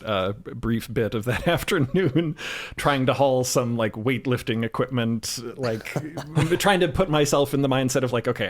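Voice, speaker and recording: A man telling casual anecdotes on a podcast roundtable in a wry, halting way. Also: mid-range voice. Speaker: podcast creator and voice performer.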